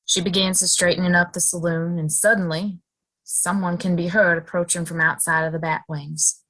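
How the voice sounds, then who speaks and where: A woman's voice: fairly low pitch, little pitch movement, normal speed, fairly bright tone. A woman reading stage directions as scripted narration for an audio play.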